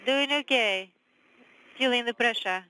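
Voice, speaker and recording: A voice heard over a two-way radio link, giving terse mission callouts at an unhurried, deliberate pace. A steady hiss sits under every word, and the speaker sounds set back from the mic. Plain middle pitch for the speaker. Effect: two-way radio transmission. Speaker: mission communications between ground control and crew. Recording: noisy distant radio link.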